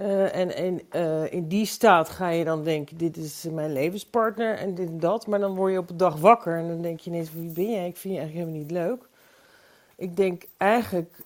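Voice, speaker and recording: A woman with a fairly low pitch and an unremarkable speaking voice, fairly even intonation and a moderate pace. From Netherlands. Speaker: audience member. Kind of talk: casual chat.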